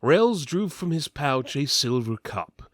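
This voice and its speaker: Male narrator for mock-epic fantasy, theatrical and solemn, very varied pitch, dry close sound. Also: sing-song, takes it slowly, fairly bright tone, no room sound.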